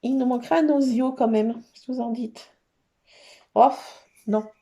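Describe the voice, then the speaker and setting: A woman hosting a casual craft session, chatting to her viewers and thinking aloud as she works, with sudden bursts of excitement. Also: fairly high pitch, a little slow. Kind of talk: casual craft tutorial chat.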